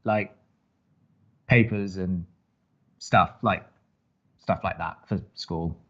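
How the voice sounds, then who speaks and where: The recording is a little dull and lo-fi. A man acts a prickly male college radio host in an audio romantic comedy, sounding dry and put-upon. He turns halting and awkward whenever he gets flustered. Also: sits low, fairly bright tone, full character voice. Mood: flustered, hesitant.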